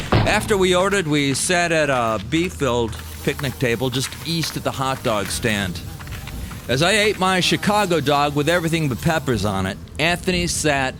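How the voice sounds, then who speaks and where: Male storyteller with a slightly low voice, music. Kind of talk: dramatized first-person scripted narration.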